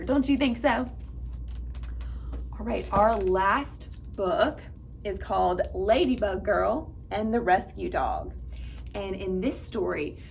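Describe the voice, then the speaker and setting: Female children's storytime reader, lively pitch swings, gravelly creak at times, talks straight to kids. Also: slight background noise. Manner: animated, addresses young listeners directly. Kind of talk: read-aloud children's storytime.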